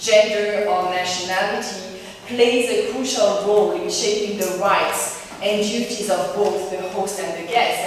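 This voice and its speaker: A woman speaks at a fairly slow pace. The room echoes strongly, with light noise in the background. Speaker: conference presenter. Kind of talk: academic lecture. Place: classroom.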